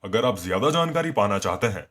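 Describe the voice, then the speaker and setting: Male corporate voice-over, slightly husky tone, measured and explanatory scripted read. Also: on the low side, sing-song, a bit bright. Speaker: voice-over narrator.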